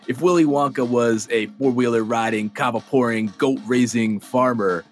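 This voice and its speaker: Man, mid-pitched host, playful scripted narration, soft music bed under him. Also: moderate pace. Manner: playful, conversational. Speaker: host and reporter.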